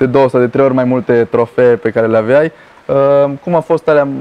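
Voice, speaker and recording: Words come at a very fast pace from this man. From Romania. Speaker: interviewer, former tennis player; interviewer. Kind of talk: interview. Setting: sports club.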